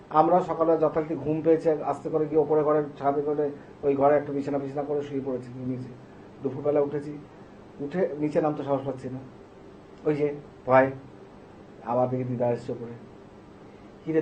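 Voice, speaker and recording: Dramatic male storyteller. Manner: swings between loud emphatic bursts and hushed low tones. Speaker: tantric practitioner telling his story. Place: TV studio. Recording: dull lo-fi TV sound with faint hiss.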